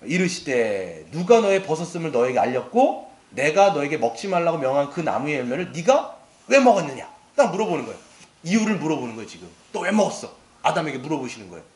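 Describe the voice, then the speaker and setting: A middle-aged male pastor preaching a sermon in an animated way, acting out quoted lines and asking the congregation questions. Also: a little high, fast talker. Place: church sanctuary. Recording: echoey church hall.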